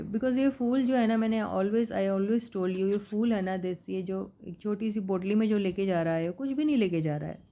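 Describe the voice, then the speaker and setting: A woman's voice: mid-range voice, dark tone. A woman giving a casual tarot reading, talking to her viewers in a chatty way, asking them questions and mixing in English phrases. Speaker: tarot reader.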